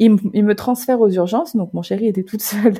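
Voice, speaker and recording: A woman speaks in a dark, mellow tone. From Normandy, France. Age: 30s. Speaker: expat mother. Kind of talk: interview testimony.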